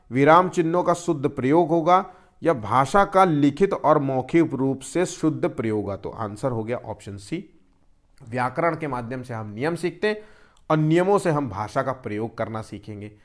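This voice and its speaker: A man teaching an exam-prep lesson, explaining step by step and posing questions he then answers himself. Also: mid-range voice.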